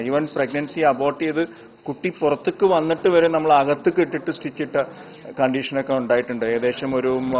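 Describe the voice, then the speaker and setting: A man from Kerala with a Malayali accent explains as a doctor, conversationally, mixing in English technical terms. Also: mid-range voice. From Kerala, India. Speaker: doctor, gynaecological surgeon. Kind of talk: explanatory interview remarks. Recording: dull, lo-fi interview audio.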